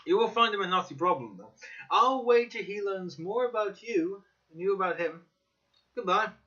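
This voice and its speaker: Knowing, amused young gentleman acted by a male reader, animated and bright, for audiobook drama. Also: high-pitched, normal speed, pitched above the performer's own voice. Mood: knowing, teasing. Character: amused, sociable young male friend making introductions. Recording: dull, slightly lo-fi recording.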